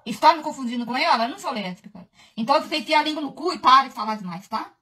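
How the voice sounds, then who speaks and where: A woman on a phone livestream, ranting at commenters in a blunt, crude way that flares into shouting. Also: high voice, animated, racing. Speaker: social media personality.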